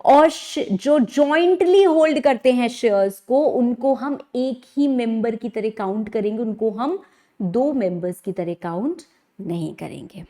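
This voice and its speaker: Female law lecturer, Indian accent, higher-pitched voice, conversational teaching with lively rhetorical questions. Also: a little slow. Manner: animated teacherly, asks and answers own questions, frequent check-ins. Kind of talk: conversational online lecture in mixed Hindi and English.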